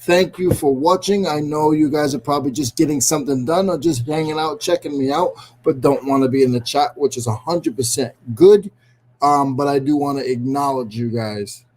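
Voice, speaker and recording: Greeting viewers by name and poking fun at himself, this livestream host keeps the chat casual and talkative. He has a New England accent and a fairly high, slightly mellow voice at a moderate pace.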